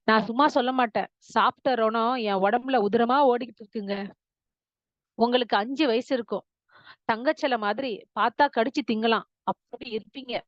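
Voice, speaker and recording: A woman's voice: fairly high pitch, moderate pace, dry recording, highs cut off, natural voice. Brief: woman playing an old village carpenter, choked up and begging, storybook reading. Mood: pleading. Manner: pleading, choked with tears. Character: poor old male carpenter, tearful, pleading.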